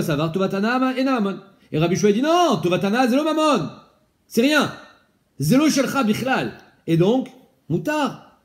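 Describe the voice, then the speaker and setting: Lively man teaching a Talmud lesson. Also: high voice. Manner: lively, explains by asking questions, mixes in Hebrew and Aramaic terms. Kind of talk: casual Talmud study lesson.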